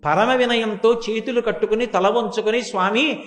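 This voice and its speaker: A man's voice: sits high, animated, moderate pace, a bit bright, soft background music. A man giving a devotional storytelling discourse, acting out the characters' words as he narrates. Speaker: religious discourse speaker.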